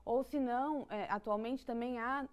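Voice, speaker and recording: A woman with a Brazilian Portuguese accent talks through ideas in a relaxed conversation. Her voice sits a little high, and she pauses and restarts often as she thinks. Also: clean tone, lo-fi sound. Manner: thoughtful, many restarts and fillers, laughs lightly. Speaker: psychology guest. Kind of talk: conversational explanation.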